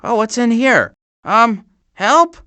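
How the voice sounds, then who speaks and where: A man voicing a fretful, long-suffering turtle in an animated video game. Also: very high-pitched, slow, smooth, exaggerated voice. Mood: fretful, exasperated. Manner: fretful, exasperated, hesitant.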